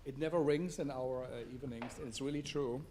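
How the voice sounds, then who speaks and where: A man hosting and introducing an evening talk event, speaking in a halting way with many fillers. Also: medium pitch, mellow, a little hiss or hum. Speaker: event host. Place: theater event space.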